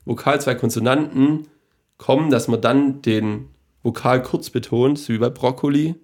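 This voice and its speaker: A man's voice: medium pitch, normal speed, darkish tone. A young man co-hosting a podcast, rambling and opinionated in casual chat, swearing freely. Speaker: podcast co-host.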